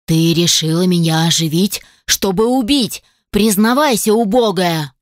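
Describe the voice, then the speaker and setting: A man's voice: high-pitched, measured pace, dry recording, studio quality. A woman voicing a furious, paranoid male spirit with white hair who growls and snarls threats, in an audiobook reading. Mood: snarling accusing.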